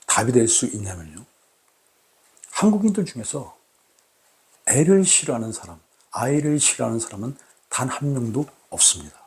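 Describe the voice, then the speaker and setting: A man hosting his own channel, talking to camera in a formal, deliberate way with many repeated rhetorical questions. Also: medium pitch, a little mellow. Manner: repetitive, emphatic rhetorical questions. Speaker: channel host. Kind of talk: solo talk to camera.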